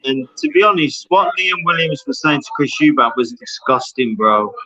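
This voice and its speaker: A man's voice: mid-range voice, expressive, moderate pace, sharp tone, lo-fi sound. A man with Welsh parents calling in to a boxing talk show, giving blunt opinions and repeating his points for emphasis. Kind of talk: casual boxing opinion chat.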